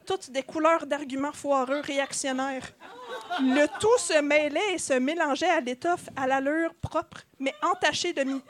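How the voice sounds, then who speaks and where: A woman from Montreal with a Québécois accent, narrating a comic parody story in a playful, mock-epic tone. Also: high-pitched. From Montreal, Quebec. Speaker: comedian reading a parody story.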